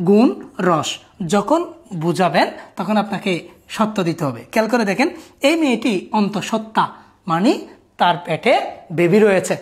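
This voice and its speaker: A woman teaching a spelling lesson in a recorded class. She explains each rule patiently and keeps asking listeners to look closely at each word. Her pitch sits in a middle range for a woman.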